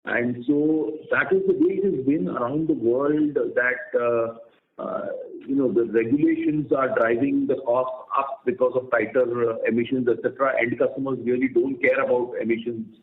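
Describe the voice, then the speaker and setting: A man speaking as a company executive on an earnings call, explaining in a halting way and repeating words. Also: medium pitch, steady tone. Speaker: company executive answering analysts. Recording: roomy, tinny conference phone line.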